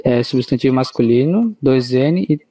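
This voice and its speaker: A Brazilian man asks his teacher questions during an online lesson, hesitating and searching for his words. His voice is mellow and warm. He sounds like a student on a video call. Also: medium pitch, lively intonation, moderate pace, breathy edge. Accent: Brazilian Portuguese. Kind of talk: asking questions in class.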